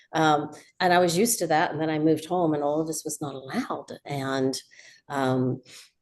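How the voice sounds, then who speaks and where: A woman's very deep, low voice at a moderate pace. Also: ordinary pitch variation. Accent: American. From US, West Virginia. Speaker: guest sharing life story. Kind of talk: interview, personal story.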